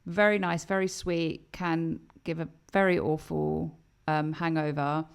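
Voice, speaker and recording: Low, gravelly-voiced woman podcaster. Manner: animated storyteller, quick to laugh. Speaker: podcast co-host. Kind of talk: casual podcast chat.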